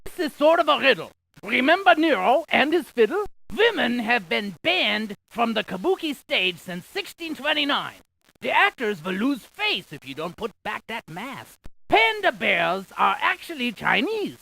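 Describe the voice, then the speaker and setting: A woman playing an excitable, quirky scientist in an educational game, reciting landmark trivia with theatrical emphasis and playful quips. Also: fairly high pitch, a little slow, vocal fry, full character voice, low-quality recording. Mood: playfully informative. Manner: theatrical, quippy, exaggerated emphasis.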